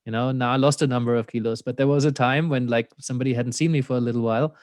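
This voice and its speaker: A man with a German accent, speaking in a mid-range voice as a thoughtful interview guest. He muses aloud, laughs easily and fills pauses with "you know." The sound is close and dry, with no room around it. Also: medium pitch, fairly even intonation, darkish tone, dry recording. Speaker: existential coach, interview guest. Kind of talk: reflective conversational interview.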